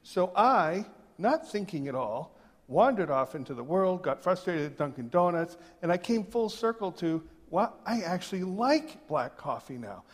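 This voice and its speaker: Man, pastor, chatty storytelling sermon, slightly high voice, large echoing sanctuary. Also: sing-song. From New Hampshire. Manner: conversational and joking, reads quotes slowly. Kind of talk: sermon with personal stories. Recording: long reverb of a big hall.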